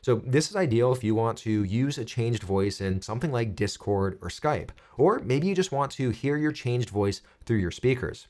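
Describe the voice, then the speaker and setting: An American man in his thirties giving clear, step-by-step instructional narration for a software tutorial. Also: medium pitch, animated, normal speed, hardly any pauses. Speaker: tutorial presenter.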